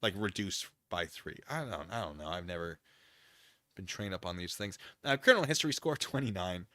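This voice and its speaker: Speaking a little fast in a low voice that's still bright and forceful, an American online streamer gives a dramatic, swooping reading of a formal document. He's animated and quick to get excited, straying into wry off-the-cuff commentary, recorded close and dry with no room sound.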